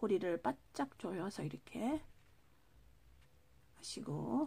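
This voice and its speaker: Speaking at a very slow pace, a woman's somewhat breathy voice moves through very wide pitch swings. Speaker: knot-craft instructor. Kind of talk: tutorial. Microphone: phone near.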